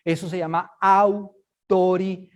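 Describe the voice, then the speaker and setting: A man's voice: high voice, flat delivery, slow pace, smooth. A man preaching a Bible study, emphatic and conversational, often checking that listeners understand.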